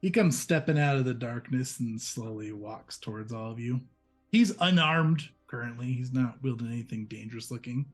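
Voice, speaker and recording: A man's voice: medium pitch, moderate pace, faint music behind. A man narrating a tabletop role-playing game as game master, in a casual, descriptive way.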